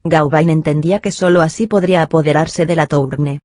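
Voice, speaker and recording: Steady male audiobook narrator. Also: fairly high pitch, no room sound, studio quality. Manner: steady, measured storytelling. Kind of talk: scripted literary narration.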